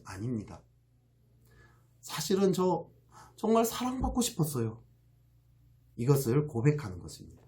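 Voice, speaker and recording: A man preaching a sermon as pastor, acting out quoted inner voices with feeling. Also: fairly high pitch.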